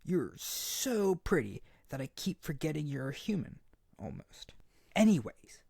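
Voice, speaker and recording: An excitable young bird-man monster , acted by a man, courting the listener in an ASMR roleplay. His pitch is mid-range but jumps around in a very animated way, with a breathy, slightly husky edge. He rambles earnestly and nervously, eager to please, in a close, dry recording. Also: measured pace, dry recording, exaggerated voice. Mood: excited, earnest. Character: excitable, naive, eager-to-please young male harpy suitor. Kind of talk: ASMR roleplay audio drama.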